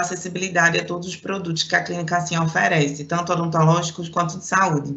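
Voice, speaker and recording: Speaking at a fairly quick pace in a Pernambuco accent, a woman uses a fairly low pitch over noticeable background noise. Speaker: company representative. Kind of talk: presentation. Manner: halting, many fillers.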